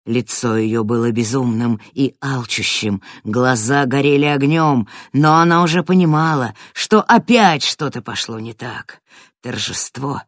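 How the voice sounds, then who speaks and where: Slow, dramatic audiobook narrator. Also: mid-range voice, no echo, clean studio sound. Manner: dramatic, wide swings from hushed to loud. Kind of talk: scripted fantasy narration.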